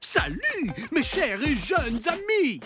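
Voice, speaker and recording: A smug young cartoon influencer who sells pastry like the hottest trend. The pitch is fairly high and leaps around with showy, slangy hype, over background music. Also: female voice, very animated, slow pace, heavily acted. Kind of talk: animated cartoon dubbing.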